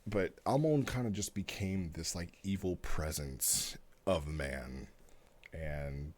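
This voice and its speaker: A man giving casual, explanatory commentary as a streamer, talking through a story in an animated way. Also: low-pitched, slow pace. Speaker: streamer reviewing roleplay stories.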